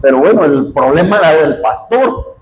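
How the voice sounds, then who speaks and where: A man's voice: fairly high pitch, moderate pace, echoey room, rough recording. A man preaching a sermon in a church, telling a story and acting out the people in it. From Mexico. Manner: animated storytelling, acting out quoted dialogue; addresses the congregation often as "hermano". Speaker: pastor. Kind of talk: sermon with personal anecdote.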